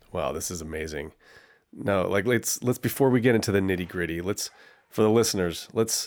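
A man is speaking. The recording is very clean with a silent background. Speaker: podcast co-host. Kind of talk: interview.

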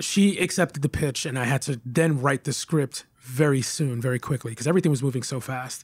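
A man with an American accent talks at a fairly quick pace, his fairly high voice somewhat breathy and showing ordinary pitch variation. The sound is dry and close with no echo, a very clean recording over a silent background. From New York, Bronx. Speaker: writer and podcaster. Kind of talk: interview conversation. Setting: in-person recording.

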